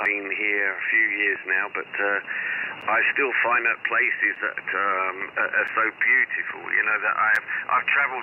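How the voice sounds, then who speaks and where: Over noticeable background noise, a man with a strong London accent talks at a fairly slow pace. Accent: London, quite heavy. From London, England. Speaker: amateur radio operator. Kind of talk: radio contact chat. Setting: shortwave radio transmission. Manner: halting, many fillers.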